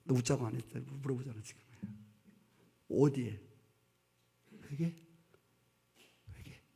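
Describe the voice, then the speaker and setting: A man's voice: mid-range voice, fairly even intonation, unhurried, vocal fry, warm tone, husky. A male pastor preaching a sermon, emphatic, questioning his congregation directly and acting out stern voices in quoted speech.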